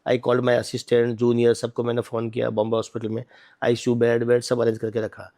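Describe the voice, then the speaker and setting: A male doctor telling a story in an interview, animated and acting out the dialogue, with English words mixed into his speech. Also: medium pitch, brisk.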